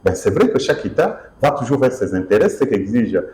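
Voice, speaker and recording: Emphatic author with lively pitch. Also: male voice, fairly quick, roomy sound, a little hiss or hum. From DR Congo, Kinshasa. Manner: expressive, emphatic, repeats himself with fillers. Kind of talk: interview answers.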